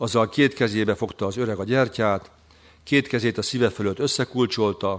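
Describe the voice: Text read aloud, plainly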